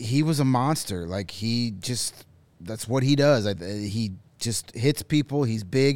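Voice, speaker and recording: Here is a man with an unremarkable speaking voice at a medium pitch. He talks at a fairly slow pace with ordinary pitch variation. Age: 40s. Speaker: sports podcast co-host. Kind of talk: casual chat.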